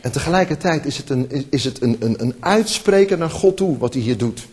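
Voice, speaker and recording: A man preaching a sermon, moving between hushed, tender passages and rising, emphatic calls. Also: medium pitch, animated, fairly quick, breathy edge. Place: church. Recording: long hall reverb.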